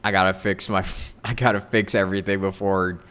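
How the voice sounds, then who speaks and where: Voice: deep voice, level tone, brisk, fairly bright tone. A game streamer giving casual, slangy live commentary. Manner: informal, slangy. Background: game music.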